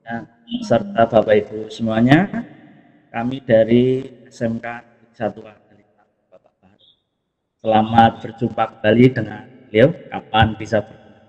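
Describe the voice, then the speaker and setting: A man's voice: medium pitch, flat delivery, normal speed, pauses often, dark tone, big-room sound, lo-fi sound. Man on a choppy, glitching video call. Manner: polite, formal address. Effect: choppy, cutting-out audio on a video call. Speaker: school representative asking a question. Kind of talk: formal greeting in an online meeting.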